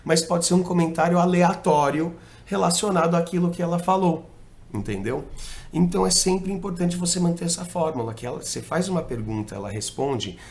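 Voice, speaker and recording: A man, talking on a casual podcast. His pitch jumps up and down as he explains, and he uses lots of slang and piles up example after example. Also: vocal fry. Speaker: podcast co-host and dating coach.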